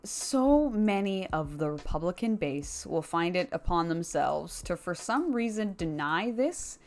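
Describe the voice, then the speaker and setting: A woman's voice: lowish voice, animated, measured pace, faint music behind. A woman giving casual, opinionated commentary to viewers in an informal, slangy and emphatic way. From Canada. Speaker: video commentary host.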